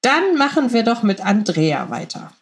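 A woman's voice: a little high, sing-song, moderate pace. A woman hosting a podcast in a conversational moderating style. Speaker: podcast host.

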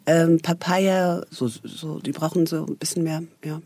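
A woman's voice: low-pitched, steady tone, normal speed, mellow, breathy edge, no echo. A middle-aged woman as a guest on a radio talk show, chatty and enthusiastic, often trailing off mid-sentence. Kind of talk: casual radio chat.

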